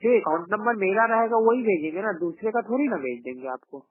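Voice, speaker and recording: High-voiced man on a tinny phone. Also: animated, fast talker. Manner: firm, repetitive refusals. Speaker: broker on a phone call. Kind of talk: informal phone negotiation. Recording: tinny, radio-like recorded phone call.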